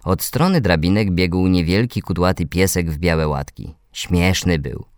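A man narrating a children's story in a gentle, measured reading voice that speaks to young listeners. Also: sits low, smooth, no room sound, studio quality.

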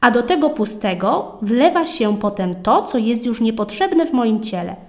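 A woman doing a high, eager little girl. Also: very animated, normal speed, darkish tone. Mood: explaining. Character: cheerful young girl, chatty and bright.

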